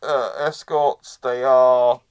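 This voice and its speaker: A man's voice: mid-range voice, little pitch movement, slow pace, darkish tone, clean tone. Man thinking aloud as live host. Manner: discursive, repeats phrases while searching for words. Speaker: host of a live naval history question session.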